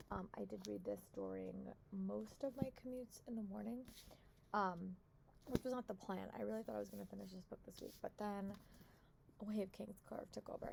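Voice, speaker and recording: A young woman with a hoarse voice, chatting casually in a reading vlog and talking softly, half in a whisper, to spare her throat. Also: mid-range voice, background noise. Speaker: book vlogger.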